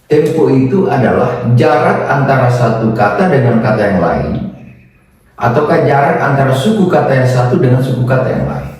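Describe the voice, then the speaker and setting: Casting: male lecturer, mid pitch, measured delivery, poses his own questions, roomy echo, set back from the mic. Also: darkish tone. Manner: measured, stresses words, asks and answers own questions. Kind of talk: recorded online lesson. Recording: very echoey room, voice from a distance.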